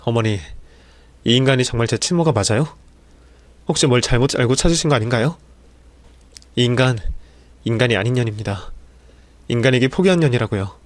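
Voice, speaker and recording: A man voices a furious grown son, accusing and insulting. The voice is mid-pitched for a man. The sound is dry and close. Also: expressive, brisk, long pauses, no echo, natural voice. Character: furious grown son confronting his birth mother.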